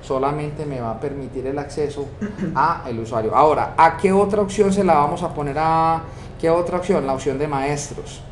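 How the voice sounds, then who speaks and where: Colombian male instructor, a bit high-pitched, step-by-step tutorial in an echoey room with constant noise behind. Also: moderate pace. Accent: Colombian Spanish. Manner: explains step by step, asks rhetorical checks. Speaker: software course instructor. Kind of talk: screen-recorded coding tutorial.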